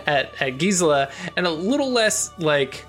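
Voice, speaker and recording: Halting male game master, slightly high voice. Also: big pitch swings, a bit bright, faint music behind. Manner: halting, lots of fillers and self-corrections. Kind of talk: narrating a tabletop role-play game.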